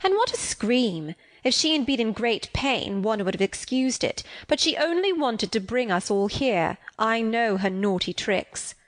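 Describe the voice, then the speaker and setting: A woman's voice: a little high, big pitch swings, measured pace, few pauses. A woman reading an audiobook, voicing a disapproving maid who speaks with sniffy disgust. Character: scornful disapproving lady's maid.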